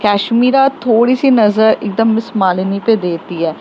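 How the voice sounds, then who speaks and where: A woman's voice: medium pitch, a little slow, highs cut off, slight background noise. A woman retelling a romance story in a casual, chatty way, with many fillers and restarts. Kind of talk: casual spoken storytelling podcast.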